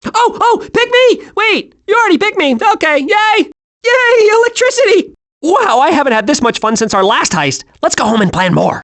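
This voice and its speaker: A man voicing an excitable, scatterbrained, cheerful young male squirrel with a childlike, eager delivery in an animated video game. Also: very high-pitched, normal speed, full character voice. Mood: giddy, excited, then chirpy, naive.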